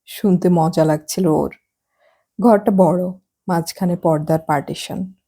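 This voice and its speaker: A woman narrating a novel as an audiobook, reading at an unhurried pace and lightly acting out the dialogue. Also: on the low side, steady tone, warm tone, husky.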